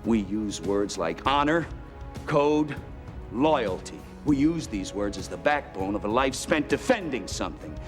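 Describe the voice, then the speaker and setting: A scornful Marine colonel. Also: male voice, lowish voice, big pitch swings, measured pace, music in the background. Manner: forceful, hammering delivery. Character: commanding, scornful male Marine colonel on the stand. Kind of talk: film courtroom drama.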